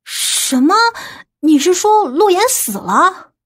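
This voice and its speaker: Woman acting an indignant, high-voiced family woman. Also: big pitch swings, takes it slowly, fairly bright tone, full character voice. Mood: shocked. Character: indignant, outspoken women of a wealthy family.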